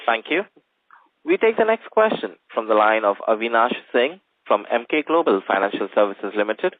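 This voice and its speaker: A man's voice: on the low side, sing-song, moderate pace, dry recording. A man acting as conference call moderator, making formal announcements to move between questioners. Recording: dry but narrowband phone line.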